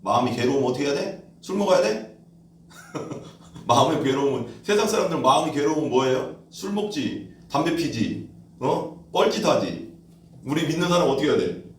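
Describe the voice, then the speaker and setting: On the high side and expressive, his voice moves at a moderate pace as he preaches in a church hall. The male pastor keeps it conversational, with rhetorical questions and acted-out quotes, captured from far off in an echoey room.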